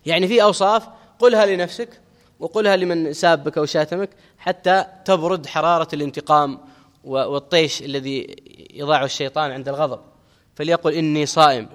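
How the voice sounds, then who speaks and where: Man, middle-aged, religious scholar, teaching lesson, quotes scripture, repeats key phrases, rapid delivery, long hall echo. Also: fairly high pitch, a bit bright. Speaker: Islamic scholar teaching hadith commentary. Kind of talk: religious lesson, explaining a text.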